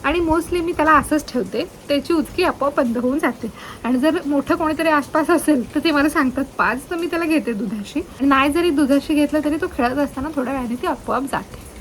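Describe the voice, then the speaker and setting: A young woman with a Marathi accent talks casually to her camera at home, slipping English words into her chat. Her voice sits high, and a faint hiss runs under the recording. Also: fairly quick. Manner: chatty, switches between Marathi and English words. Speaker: vlogger, new mother.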